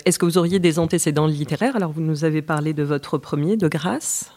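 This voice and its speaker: Friendly male interviewer, quick agreements. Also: fairly high pitch, a little mellow. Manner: affirming, friendly, frequent short acknowledgements and light laughter. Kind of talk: interview conversation.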